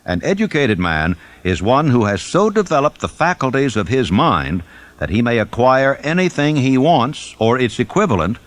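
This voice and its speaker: A man reading a self-help audiobook in a measured, instructive and emphatic manner. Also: mid-range voice, fairly bright tone. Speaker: audiobook narrator.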